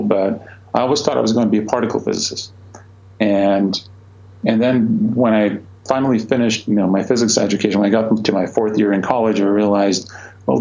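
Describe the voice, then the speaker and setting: A man's voice: lowish voice, gravelly, muffled recording. A man in his forties from Croatia, answering interview questions about his career in a hesitant way, with many fillers and restarts. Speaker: astronomer guest.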